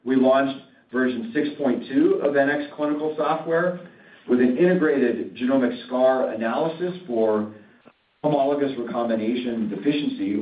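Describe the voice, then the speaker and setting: A man working as a company executive, reading a scripted earnings presentation in a formal, measured way. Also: mid-range voice. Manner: formal, measured read-out delivery. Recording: roomy, distant, tinny phone-line sound.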